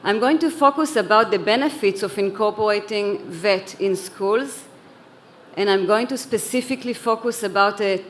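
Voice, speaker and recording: A woman's voice: medium pitch, normal speed, slight background noise. A woman who grew up in Israel, speaking earnestly on a conference panel, with a few restarts and repeated words. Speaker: panelist, head of an education organization. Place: conference hall.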